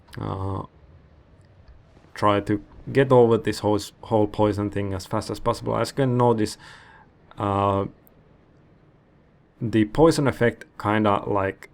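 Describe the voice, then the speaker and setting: This man talks with a Finnish accent at a fairly low pitch. His pace is fairly slow, with long, frequent pauses. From Finland. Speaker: gaming video creator. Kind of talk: let's play commentary. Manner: runs on without pauses for breath; hesitant, many fillers and restarts.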